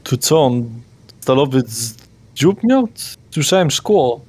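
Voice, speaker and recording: A man running a tabletop vampire game as game master, describing scenes deliberately with pauses and fillers. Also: mid-range voice, sing-song, a little mellow, breathy edge, no echo.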